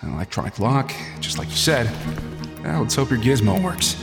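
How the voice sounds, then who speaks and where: Man acting a lively, cocky young adventurer. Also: mid-range voice, normal speed, vocal fry. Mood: focused banter. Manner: glib, bantering. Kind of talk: audio drama acting. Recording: music under the voice.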